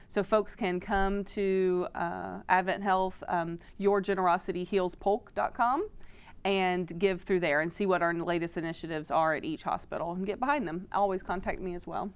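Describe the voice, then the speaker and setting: In a studio interview, a Florida foundation's executive director, a middle-aged woman, answers questions as a guest with a warm, informative manner and plenty of "um" fillers. She has a clear, resonant, mid-range voice.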